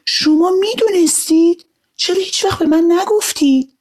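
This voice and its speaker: A woman voicing a curious, cheerful young boy in a storybook reading, eager and quick to laugh. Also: mid-range voice, sing-song, breathy edge. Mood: amazed, playful.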